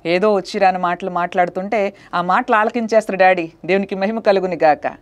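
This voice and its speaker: A woman's voice: mid-range voice, fairly even intonation, a little fast. A woman preaching a sermon with fervent, emotional pleading, asking the congregation rhetorical questions and breaking into hallelujahs.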